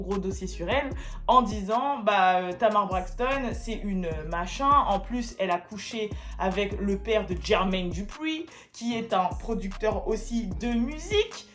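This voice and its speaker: A woman hosting a casual gossip vlog, chatty and full of filler words as she explains celebrity feuds. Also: mid-range voice. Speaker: gossip vlogger host.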